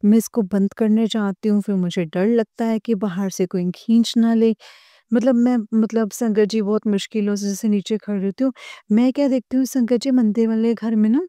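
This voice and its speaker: A woman's voice: on the high side, steady tone, normal speed, dark tone, no room sound. A woman from Uttarakhand with a slightly sore throat, earnestly recounting a dream to her congregation in a casual, filler-heavy way. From Uttarakhand, India. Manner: earnest, addresses listeners as congregation, many fillers. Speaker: devotee sharing a dream. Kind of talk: casual spoken testimony.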